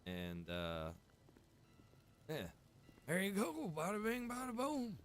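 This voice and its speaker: A man's voice: sits high, huge pitch swings, takes it slowly, a bit bright, slight background noise. A man giving casual, rambling live commentary as he plays a game, muttering to himself. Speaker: game streamer.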